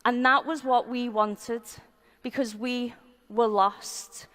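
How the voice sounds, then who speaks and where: A woman with a high voice speaks as a guest at a business event, sharing her own story casually and informally, with plenty of ums. Her voice rings out with the long reverb of a large hall, as if she is heard from a stage mic. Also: fairly even intonation, slow pace, fairly bright tone. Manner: chatty and informal, frequent ums. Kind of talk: personal story told on stage.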